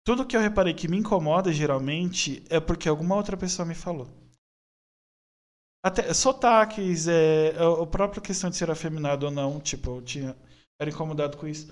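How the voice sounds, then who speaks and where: Earnest young São man, slightly high. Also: brisk. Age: 20s. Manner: earnest, opinionated, rambling with restarts. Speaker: podcast guest. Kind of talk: casual podcast conversation.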